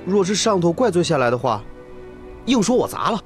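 A man's voice: high-pitched, very animated, fairly quick, over music. A young actor playing a spoiled, stubborn young nobleman in a period TV drama. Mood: petulant. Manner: petulant, defiant.

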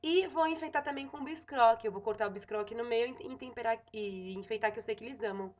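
Woman, Brazilian accent, young adult, chatty cooking tutorial, slightly high voice, dull lo-fi recording. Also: fast, a little mellow. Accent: Brazilian Portuguese. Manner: chatty, frequent "tá?" check-ins and self-corrections. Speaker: cooking vlogger. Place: home kitchen.

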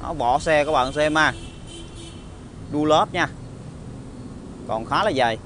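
A southern Vietnamese man talks like a used car salesman showing off a vehicle on video. His voice sits a little high, and he pitches informally with many halting pauses and tag words. Faint outdoor lot noise runs behind him. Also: a bit bright. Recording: outdoor phone recording with traffic ambience.

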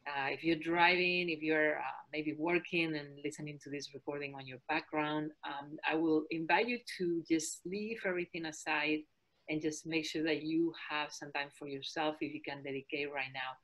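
A woman in her forties from Spain with a Spanish accent, presenting a fitness webinar as a trainer and health coach in a calm, soft-spoken way. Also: low-pitched, moderate pace, low-quality recording.

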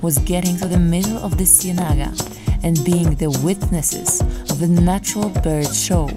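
A woman's voice: lowish voice, normal speed, loud music behind the voice. A young woman with a Polish accent, a native Polish speaker, narrating her travel vlog in a cheerful, chatty way. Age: young adult. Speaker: travel vlogger. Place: outdoors on a rooftop.

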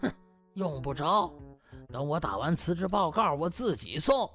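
A man's voice: a little high, very animated, unhurried, fairly bright tone, faint music behind, full character voice. A man voicing a proud, defeated older hospital director in an audiobook, glowering and curt with anger. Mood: sullen contempt. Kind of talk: audiobook character acting.

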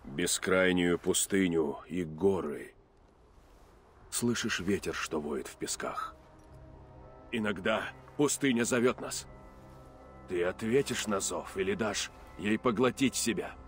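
An actor playing a grim, weathered male assassin mentor in a game dub, speaking slowly and gravely. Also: deep voice, soft background music. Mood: solemn. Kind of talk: Russian game dub acting.

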